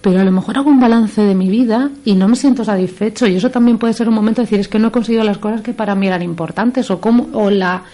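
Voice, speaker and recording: Fast-talking woman psychologist on radio. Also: medium pitch, dark tone. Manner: explanatory, gives examples with quoted phrases. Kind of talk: radio talk-show discussion. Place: radio studio.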